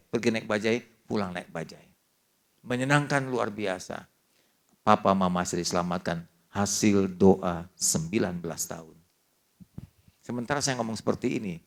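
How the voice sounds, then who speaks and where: An older man preaching a sermon as pastor, telling a family story in a lively way and mixing casual slang into it. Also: on the low side, creaky.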